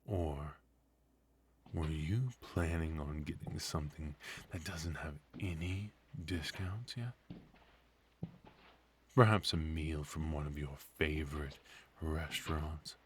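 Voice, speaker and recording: Man playing a deep-voiced theatrical retired supervillain husband. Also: steady tone, slow pace, pauses often, slight background noise. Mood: mock-sinister, teasing. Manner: theatrical, drawling, mock-sinister. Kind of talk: comedic ASMR roleplay.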